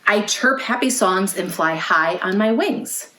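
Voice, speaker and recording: A woman hosting a children's storytime, reading aloud in clear phrases and putting questions to young listeners. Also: mid-range voice, animated, a little slow, sharp tone, slight background noise. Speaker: children's librarian, storytime host. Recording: roomy, echoey indoor sound.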